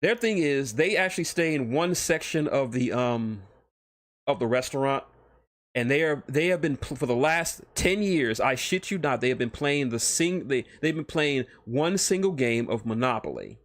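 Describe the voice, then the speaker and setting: A male streamer talks casually in a dry, close-miked space. His delivery is rambling and enthusiastic, with profanity mixed in, and his pitch sits in an ordinary middle range for a man. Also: animated, moderate pace, no echo. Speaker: streamer, host. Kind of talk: casual livestream chat about fan fiction.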